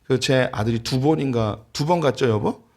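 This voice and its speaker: A middle-aged man preaching as a pastor, with a voice of ordinary middle pitch. He tells a family anecdote in a relaxed, storytelling sermon style, with touches of dry humor. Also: moderate pace. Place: church sanctuary.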